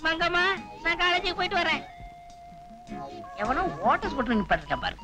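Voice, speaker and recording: An actor playing a bumbling, forgetful young man in a comic film scene, talking in an excited, whiny voice. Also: very high-pitched, brisk, music in the background, exaggerated voice. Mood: confused. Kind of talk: 1990s Tamil film comedy.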